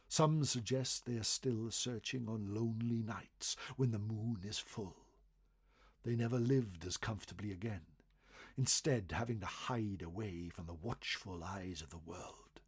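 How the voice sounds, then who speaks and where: Expressive male storyteller, slightly husky voice. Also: lowish voice. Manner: expressive, swelling then dropping to hushed phrase endings. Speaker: storyteller reading a folklore article. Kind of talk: dramatic oral storytelling narration.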